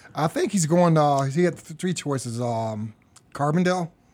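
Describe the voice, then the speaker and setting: A man's lively intonation at a moderate pace. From Chicago South Side. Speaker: blues singer. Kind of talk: radio interview.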